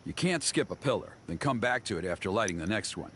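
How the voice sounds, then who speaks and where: A man's voice: on the low side, lively intonation, fast talker, a bit bright, a little hiss or hum. A man voicing an earnest tribal mentor who patiently explains ceremonies. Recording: game audio with music.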